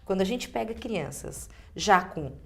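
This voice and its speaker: A woman's voice: medium pitch, expressive, unhurried, creaky, fairly bright tone. A Brazilian woman speaking as a guest dentist, explaining clinical practice conversationally and restating phrases for emphasis.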